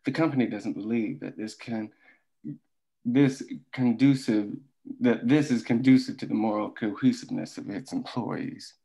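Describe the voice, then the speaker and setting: A man playing a stern, moralizing mine company boss in a script table read, formal and admonishing, with a gravelly voice. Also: medium pitch, moderate pace, warm tone, close to an everyday voice, rough recording. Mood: stern, threatening.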